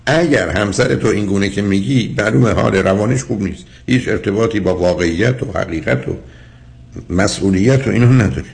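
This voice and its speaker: A man's voice: on the low side, gravelly, a little mellow. Blunt, lecturing older male counselor. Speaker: counselor host. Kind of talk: call-in advice talk.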